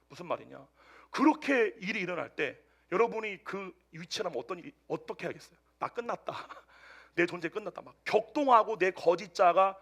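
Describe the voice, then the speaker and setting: Male preacher, Sunday sermon, high and bright, storyteller who veers between loud and hushed. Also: slightly rough. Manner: animated storytelling, swinging between loud outbursts and hushed asides. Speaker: pastor. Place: church service with a congregation answering amen.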